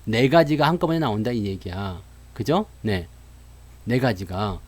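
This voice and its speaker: A man giving a casual stock market talk, animated, acting out joking quotes and analogies and laughing often mid-sentence. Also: fairly low pitch, unhurried.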